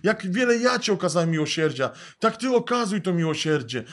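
Man preacher, high voice, earnest and repetitive sermon delivery. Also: lively intonation, fairly quick. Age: adult, father of young children. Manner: earnest, repetitive emphatic phrasing.

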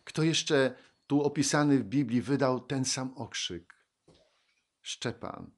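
A man preaching a sermon, reading Bible verses and speaking slowly and reflectively, then rising into fervent exclamations. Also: medium pitch.

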